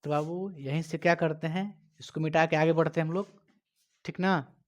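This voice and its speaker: A male teacher with a Bihari Hindi accent, giving a classroom lecture, quizzing his students and scolding them, loud one moment and quiet the next. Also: a little high, steady tone, normal speed. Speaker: coaching teacher.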